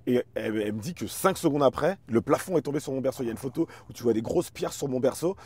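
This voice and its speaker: A man's voice: medium pitch, expressive, quick pace, darkish tone, breathy edge. A man, talking casually and reflectively as an interview guest, often repeating words as he searches for phrasing. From Paris suburbs, France. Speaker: interview guest, chess teacher and performer.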